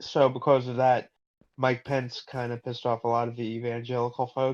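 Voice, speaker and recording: At a moderate pace, a man talks in a flat monotone at a medium pitch. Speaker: streamer. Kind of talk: casual chat. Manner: halting, many fillers.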